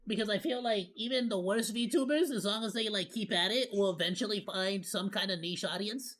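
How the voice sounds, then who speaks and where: A woman's voice: mid-range voice, a little fast, fairly bright tone. A woman streamer giving casual reaction commentary in a slangy, emphatic way, often repeating phrases. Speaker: VTuber streamer reacting to a video.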